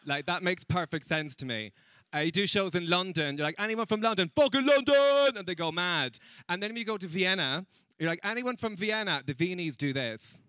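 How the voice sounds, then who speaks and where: A man's voice: a little high, fairly quick, pushed and bright, no room sound, clean studio sound. A young man doing a stand-up comedy set, chatty and teasing with the crowd and laughing at his own jokes. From Ireland. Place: comedy stage in a room with an audience.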